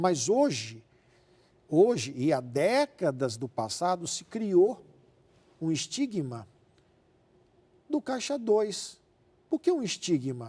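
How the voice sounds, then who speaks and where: Very slow speech from a man with a high pitch, very wide pitch swings, a dark, mellow tone, and long, frequent pauses. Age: 60s. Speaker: constitutional law expert. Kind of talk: TV interview.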